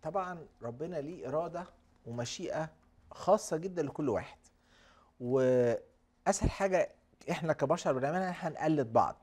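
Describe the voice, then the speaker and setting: Quick Egyptian man explaining calmly. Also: on the high side, breathy edge. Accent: Egyptian Arabic. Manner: calm, explanatory. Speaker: guest speaker. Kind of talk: live studio talk show.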